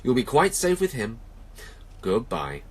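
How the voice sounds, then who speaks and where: A man's voice: medium pitch, huge pitch swings, unhurried, breathy edge, heavily acted. A man voicing a small, timid, anxious storybook piglet with a hesitant, flustered manner. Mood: relieved.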